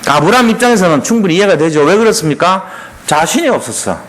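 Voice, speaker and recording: Male pastor preaching in church, pretty high voice, very lively swings, emphatic. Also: quick pace, slight background noise. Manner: emphatic, animated, acts out quotes. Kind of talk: sermon.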